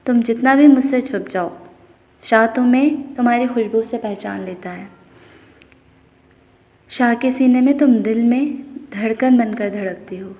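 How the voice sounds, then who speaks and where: A woman voicing a devoted young husband who speaks softly and tenderly, coaxing and teasing. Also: a little high, long pauses, long reverb tail, lightly acted.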